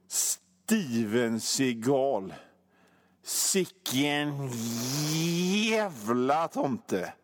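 A man hosting a radio show, telling a rambling absurd comic story in a deadpan way, with mild swearing. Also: medium pitch, big-room sound. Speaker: radio host.

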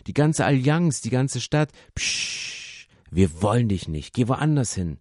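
A man voicing a crowd of scornful people who hush and belittle someone. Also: very animated, moderate pace, dry recording, clean studio sound. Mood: reproachful. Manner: hushing, belittling, low. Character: scornful male crowd of naysayers.

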